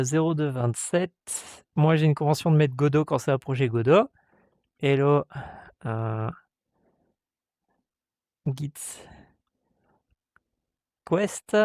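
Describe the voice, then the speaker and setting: Unhurried male tutorial host, hesitant, gravelly tone, dry recording. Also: mid-range voice, dry recording. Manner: hesitant, many "euh" fillers, reads out codes step by step; voices the software in playful mock dialogue. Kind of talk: screen-recorded tech tutorial.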